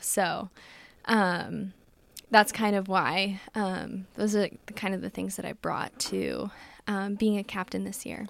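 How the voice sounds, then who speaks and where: Bright and sharp in tone, a woman speaks at a medium pitch and a fairly slow pace with fairly even intonation. The recording is very clean, with a silent background. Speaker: college athlete. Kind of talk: casual interview. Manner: hesitant, many fillers.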